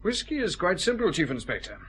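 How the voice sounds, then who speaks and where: An actor playing a precise customs officer who patiently explains a lab analysis. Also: male voice, high voice, big pitch swings, a little fast, a bit bright, a little hiss or hum. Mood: explaining. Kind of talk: radio drama acting.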